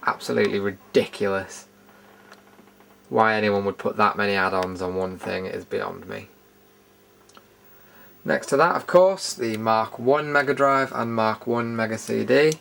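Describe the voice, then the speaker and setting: Low, creaky British man. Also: a little slow, pauses often, fairly bright tone. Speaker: video host giving a tour. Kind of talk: casual unscripted show-and-tell narration. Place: indoor room studio. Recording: noticeable background noise.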